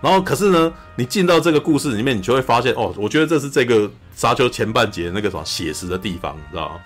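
A man from Taiwan, co-hosting a podcast and chatting casually about a film, animated, acting out scenes and often saying "you know". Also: mid-range voice, quick pace, soft background music. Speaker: podcast co-host. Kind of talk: casual film review chat.

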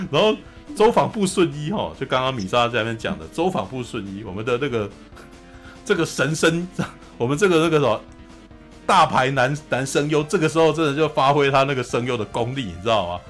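A man hosting a casual anime review chat, retelling scenes in an animated way, often laughing and checking in with "you know?". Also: mid-range voice, brisk, faint music behind. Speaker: host.

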